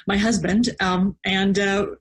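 Husky-voiced woman from Slovakia. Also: mid-range voice, steady tone, unhurried. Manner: earnest, repeats words while thinking. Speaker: guest, coach. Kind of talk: podcast interview.

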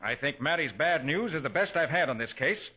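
Sharp american detective, bossy and precise, bright punchy voice, old muffled 40s radio. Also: male voice, fairly high pitch, lively intonation, brisk, slightly rough, heavily acted. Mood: confident. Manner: authoritative, precise interrogator. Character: confident, shrewd male private detective in command. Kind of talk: 1940s radio crime drama acting. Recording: dull 1940s radio recording.

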